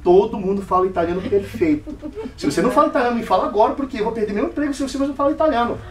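A man's voice: very high voice, rapid-fire, a crowd in the background. A man giving a storytelling speech at a club meeting, acting out the dialogue in different voices. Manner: animated, acts out dialogue in varied voices. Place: meeting room. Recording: echoey room from far off.

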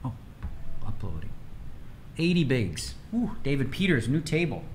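A man's voice: medium pitch, sing-song, unhurried, a little hiss or hum. A man in his forties chatting energetically and rambling while streaming a game from his home room. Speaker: poker streamer. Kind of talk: casual livestream chat.

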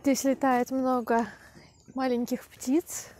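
Slow, calm young woman touring a house. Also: high-pitched, a little hiss or hum. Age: young adult. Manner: calm, unhurried, deliberate explaining. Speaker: language teacher vlogger. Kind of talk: slow, clear Russian for learners. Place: country house and outdoor yard. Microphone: handheld camera at arm's length.

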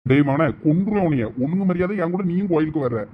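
A man's voice: fairly high pitch, fast talker, phone-quality sound, a little hiss or hum, natural voice. A man in a village comedy skit, playing an impatient young son who bickers with his mother and friend. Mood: exasperated. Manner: exasperated, bickering.

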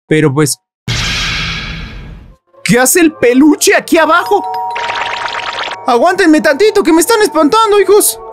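A man narrates his game session in a playful, joking way, his voice swinging widely between low and squeaky high. Faint game music sits in the background. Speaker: gaming youtuber. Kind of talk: let's play commentary.

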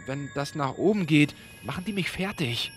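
A man playing an anxious, pleading doctor, high-voiced. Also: expressive, normal speed, close to an everyday voice. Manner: pleading, hesitant. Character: anxious, desperate male doctor seeking help. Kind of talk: German audio drama acting. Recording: faint music behind the voice.

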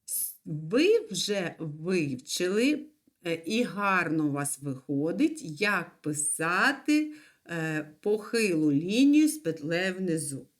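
A woman teaching young children in an online lesson, speaking slowly in a lively, sing-song voice. She draws out each syllable so the children can follow. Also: fairly low pitch. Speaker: primary school teacher.

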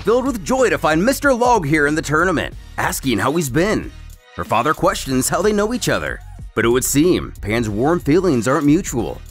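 Lively male narrator over music. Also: fairly high pitch, moderate pace. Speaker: YouTube narrator and host. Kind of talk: scripted story recap narration.

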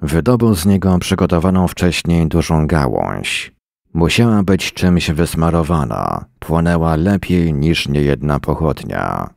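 A man reading a short story aloud in a measured, dramatic way. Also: a bass voice, sing-song, vocal fry, a little mellow, dry recording, studio quality. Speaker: reader. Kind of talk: scripted narration of a short story.

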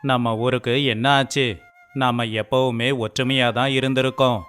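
A man's voice: medium pitch, little pitch movement, normal speed, fairly bright tone, faint music behind, lightly acted. A man playing a stern, indignant village man in a moral story, speaking in a declamatory way. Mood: stern, reproachful. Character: stern, indignant village headman and quarrelling village men. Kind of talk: acted moral-story dialogue.

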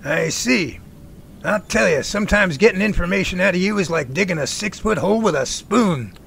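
A man's voice: high voice, animated, normal speed, creaky, a bit bright, heavily acted. An actor playing a dry, probing, exasperated older father in a radio drama, with noise behind the voice. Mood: wry, probing. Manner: dry, wry questioning.

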